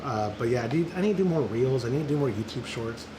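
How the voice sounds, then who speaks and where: A man's voice: mid-range voice, expressive, fast. A man from Central Texas, hosting a homebrew live stream in a chatty, joking, rambling way while he brews. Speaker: homebrew show host. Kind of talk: casual live-stream chat while brewing. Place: brewing area with flies around. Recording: echoey with loud background noise.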